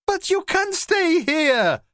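A man voicing an excitable little girl in a storybook, yelping and shrill. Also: measured pace, no room sound, clean studio sound, heavily acted. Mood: alarmed.

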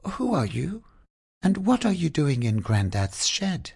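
A man voicing a lively young girl who talks in an excitable way. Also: on the high side, measured pace, vocal fry, slightly rough, no echo, studio quality, voice pushed up, exaggerated voice. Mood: startled.

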